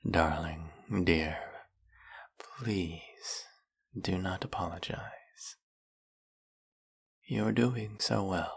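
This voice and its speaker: A snake-headed villain with a silky, coaxing manner, voiced by a man. His voice sits very low with a gravelly, husky grain, and he takes his time with every word. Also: extremely slow, pauses often, exaggerated voice. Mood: hypnotic. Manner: silky, coaxing, soft-spoken and purring. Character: smooth-talking snake-headed male villain, hypnotist. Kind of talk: audio roleplay.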